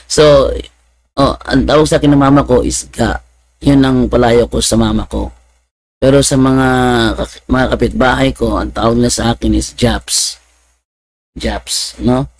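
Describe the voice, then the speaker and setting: A man's voice: mid-range voice, dry recording. A man, a Catholic apologist who tells funny personal stories and laughs often. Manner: animated, laughing, mimics voices. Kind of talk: humorous storytelling talk.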